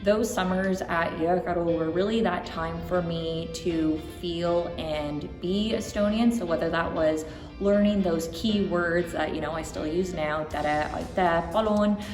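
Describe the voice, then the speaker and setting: A woman's voice: on the low side, measured pace, darkish tone. A woman, answering interview questions in a reflective way, often using um and like. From Toronto, Canada. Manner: reflective, with frequent ums and likes. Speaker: interview guest. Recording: roomy hall reverb, faint music.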